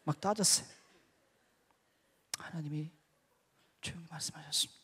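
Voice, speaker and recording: A man preaching a missionary testimony, dropping to whispers and bursting into loud, emotional outbursts. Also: a little high, moderate pace, slightly rough. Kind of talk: sermon testimony. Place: church sanctuary. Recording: echoey church hall.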